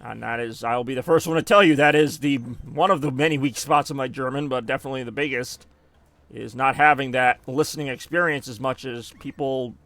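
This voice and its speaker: A man's voice: medium pitch, a little fast, a bit bright, no echo. An American man chatting casually and rambling while streaming a video game, often correcting himself and reacting to his deaths in the game. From United States. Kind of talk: casual gameplay chat.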